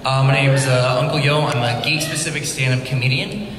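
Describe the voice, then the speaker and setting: A man's voice: mid-range voice, fairly quick. A male stand-up comedian chatting casually as a panel guest, heard from far off in a big convention hall. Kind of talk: casual comic chat. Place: large convention hall stage. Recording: echoey hall from far off, loud noise.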